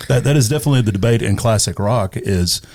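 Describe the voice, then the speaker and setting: A man talking casually as an interview guest, recalling things in a halting, hedging way. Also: on the low side, darkish tone. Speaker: interview guest, radio personality. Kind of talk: casual conversational recollection.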